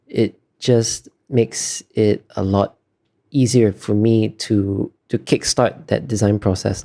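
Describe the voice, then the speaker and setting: A man's voice: fairly low pitch, vocal fry, mellow. A man being interviewed as an artist, talking casually and thoughtfully, feeling his way through explanations in trailing clauses.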